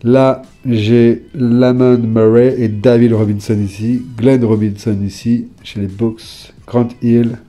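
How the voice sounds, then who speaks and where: A man casually chatting to his viewers while flipping through old trading cards, hesitant at times and bursting into sudden excited exclamations. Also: mid-range voice, slow, hardly any pauses, faint music behind. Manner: hesitant, many fillers while reading names. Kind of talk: casual off-the-cuff commentary.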